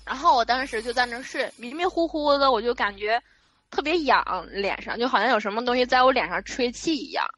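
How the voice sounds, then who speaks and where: A woman casually telling a true eerie story over a remote call, in a vivid, animated way with frequent restarts. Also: on the high side, a little fast. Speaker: guest storyteller.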